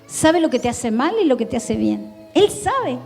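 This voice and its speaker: A woman's voice: sits high, sing-song, normal speed, gravelly, a little mellow, in a large hall, soft background music. A woman pastor with an Argentine accent, preaching a sermon in an earnest, pleading way, talking straight to the listener. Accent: Argentine Spanish. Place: church hall.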